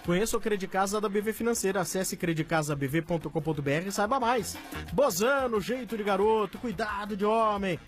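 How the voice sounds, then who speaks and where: A man hosting a sports radio show, announcing headlines and reading sponsor messages in a brisk announcer style. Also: high-pitched, faint music behind.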